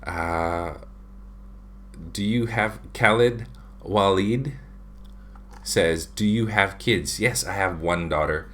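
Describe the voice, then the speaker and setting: A man's voice: sits low, takes it slowly, long pauses, fairly bright tone. A man in his thirties from the Philippines, hosting a casual livestream from his home room and answering viewer questions with lots of fillers. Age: 30s. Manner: chatty, reads viewer questions aloud with many fillers. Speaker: livestream host, drawing channel. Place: home room with shelves of figures. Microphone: webcam at desk.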